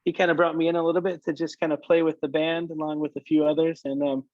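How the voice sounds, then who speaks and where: A fairly high, slightly mellow voice with little pitch movement comes through on dull audio without echo. The speaker, a worship leader from Michigan in his late thirties, chats about his life in a halting way full of restarts and fillers.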